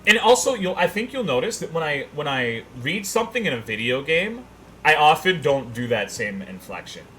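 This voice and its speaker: Animated man livestreamer with bright, forceful voice. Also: fairly high pitch, normal speed, a little hiss or hum, low-quality recording. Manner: animated, rambling, self-deprecating, profane. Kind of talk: casual livestream chat, reading viewers' messages aloud.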